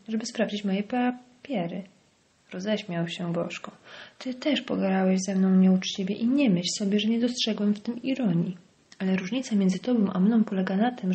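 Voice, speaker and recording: A woman's voice: mid-range voice, darkish tone, natural voice. A woman voicing a bitter, venomous middle-aged male village doctor in an audiobook, sneering and dropping into hissed whispers. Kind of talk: audiobook character voice.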